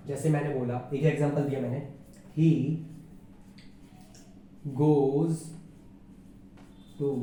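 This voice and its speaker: A man's voice: a little high, dark tone. A man teaching a grammar lesson in a casual classroom style, repeating key points and talking as he writes. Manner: repeats points with frequent fillers, talks while writing. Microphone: far from the mic. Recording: distant echoey room, faint hum.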